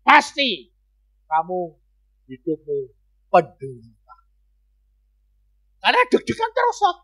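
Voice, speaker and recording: Middle-aged man, evangelist; conversational testimony sermon with abrupt swings in loudness. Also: high voice, huge pitch swings, slow pace, husky. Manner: conversational storytelling with sudden jumps in loudness. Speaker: evangelist preacher.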